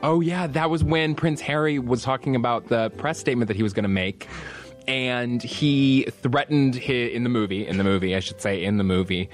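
An enthusiastic man hosting a podcast who keeps the talk casual and wanders into playful tangents. His voice sits at an everyday middle pitch, and faint music runs quietly underneath. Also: normal speed. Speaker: podcast host.

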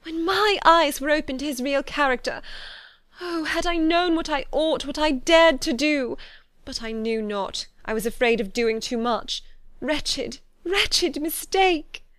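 A woman voicing an agitated, distraught young gentlewoman from a period novel, speaking in impassioned, anguished exclamations. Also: high voice, lively intonation, unhurried, dry recording, pitched above the performer's own voice. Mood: wretched. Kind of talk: dramatic audiobook character acting.

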